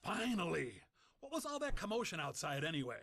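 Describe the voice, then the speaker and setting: Animated high-pitched cheeky gadget sidekick. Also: male voice, a little fast, creaky, slight background noise, heavily acted. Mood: cheeky, eager. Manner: perky, teasing, salesman-like patter. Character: chatty, cheeky robotic personal assistant and loyal sidekick. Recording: music under the voice.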